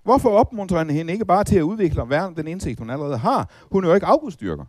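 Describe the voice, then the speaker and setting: A man's voice: high-pitched, sing-song, darkish tone, no room sound. A middle-aged man preaching a Bible teaching talk, asking rhetorical questions and reciting hymn verses.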